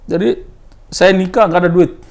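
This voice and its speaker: Animated man telling his faith story. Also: high voice, normal speed, vocal fry. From Timor Leste. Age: 30s. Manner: animated storyteller, voice rising with emphasis. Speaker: interviewee. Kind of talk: personal testimony in casual interview.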